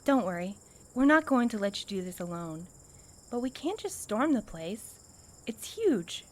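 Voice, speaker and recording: Woman playing a wary, sardonic woman, mid-pitched. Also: very animated, measured pace. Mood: skeptical, wry. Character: wary, sardonic but loyal woman, uneasy sidekick. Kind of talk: naturalistic audio drama acting.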